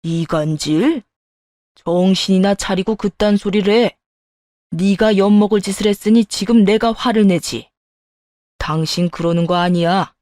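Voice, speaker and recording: A woman's voice: medium pitch, measured pace, a little mellow, no echo, close to an everyday voice. A woman voicing a stern older father-in-law who scolds harshly, in a dry close recording. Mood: furious.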